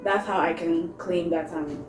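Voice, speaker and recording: Canadian woman, 20s, vlogger; slow, thoughtful delivery, lots of pauses. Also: fairly low pitch, steady tone, echoey room, over loud music. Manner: unhurried, thoughtful, with frequent pauses and fillers. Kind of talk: casual chat.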